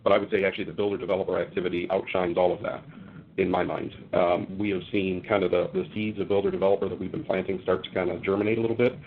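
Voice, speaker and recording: Low-voiced male executive on a phone line. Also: little pitch movement, racing. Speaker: company executive answering analysts. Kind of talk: earnings call answers. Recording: phone-like conference line, faint rumble.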